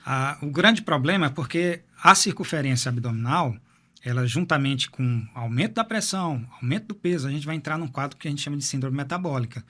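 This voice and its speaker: A man's voice: fairly high pitch, animated, a little fast, a bit bright. A man, a cardiologist guest explaining heart health in an interview, often repeating words as he thinks. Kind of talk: medical interview.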